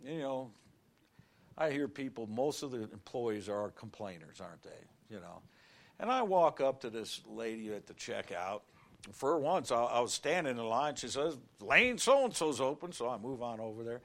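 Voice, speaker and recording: A middle-aged male pastor preaching a sermon in a folksy, animated way, shouting on key words and telling everyday stories. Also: medium pitch, normal speed, gravelly.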